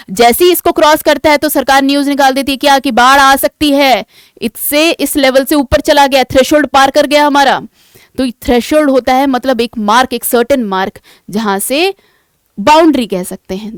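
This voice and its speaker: A woman's voice: high voice, smooth, no room sound, clean studio sound. A woman teaching an exam-prep vocabulary lesson, explaining patiently, repeating key words and asking rhetorical check questions.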